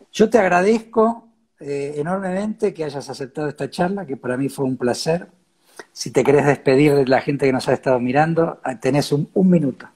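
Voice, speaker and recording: A man in his fifties with a Cordoba Argentine Spanish accent, hosting a conversational interview in a halting manner on a video call. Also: medium pitch, darkish tone, slightly rough. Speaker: interview host.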